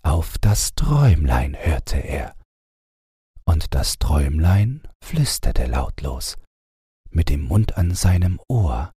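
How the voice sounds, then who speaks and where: Very deep, husky male storyteller. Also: very animated, takes it slowly, warm tone, dry recording, studio quality. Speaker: audiobook narrator. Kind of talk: bedtime storytelling, scripted narration.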